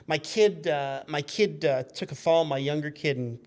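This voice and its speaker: A man in his fifties with a voice pitched a bit high for a male. He talks as a relaxed guest swapping stories, full of asides and self-corrections. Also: moderate pace. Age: 50s. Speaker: guest, car magazine editor. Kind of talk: casual conversational storytelling.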